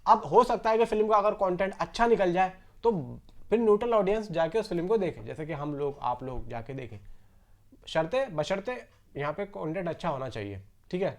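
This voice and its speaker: High-voiced man chatting film news. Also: expressive, brisk. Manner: conversational, repeats himself, addresses viewers directly. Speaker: YouTube film news host. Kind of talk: casual film news commentary.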